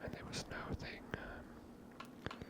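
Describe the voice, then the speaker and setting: A woman whispers breathily in a hushed, casual, musing way as she hosts an ASMR video game playthrough. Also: slow pace. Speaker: host of a gameplay series. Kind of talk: ASMR gameplay commentary.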